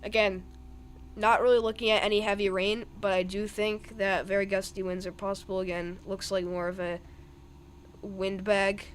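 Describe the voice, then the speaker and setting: A man's voice: high voice, little pitch movement, normal speed, a bit bright. Rambling young man narrating radar live. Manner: rambling, thinking aloud over radar. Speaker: weather streamer. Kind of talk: live-stream weather commentary.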